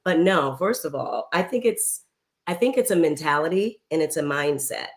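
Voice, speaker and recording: A woman's voice: low-pitched, expressive, moderate pace. A woman in her forties on a talk panel, speaking candidly and emphatically and laughing easily. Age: 40s. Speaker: guest panelist. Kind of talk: casual chat.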